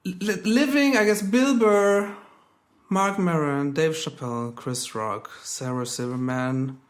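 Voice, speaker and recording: A man in his thirties who grew up in Germany, a comedian guest in a casual conversation. His voice sits a little high for a man, and he jokes in a wry, deadpan way. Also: takes it slowly. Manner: wry, joking deadpan delivery.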